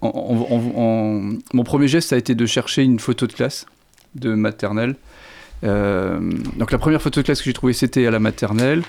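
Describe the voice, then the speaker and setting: Middle-aged male author, gravelly, hesitant, restarts often; grew up speaking Lorraine Franconian. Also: mid-range voice, a little fast, darkish tone. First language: Lorraine Franconian (Platt). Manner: hesitant, many restarts and fillers. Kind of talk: literary interview.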